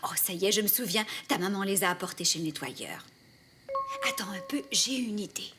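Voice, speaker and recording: A woman playing a kind, playful grandmother in a children's cartoon, speaking gently and expressively as if to small children. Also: mid-range voice, expressive, brisk, background noise, natural voice. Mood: playful concern. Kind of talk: French children's cartoon dialogue. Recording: music behind the voice.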